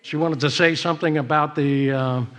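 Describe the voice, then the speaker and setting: A man's voice: fairly high pitch, steady tone, moderate pace, a bit bright. A man hosting a church service, giving informal announcements in an upbeat, exclamatory manner. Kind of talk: informal spoken announcements to a congregation.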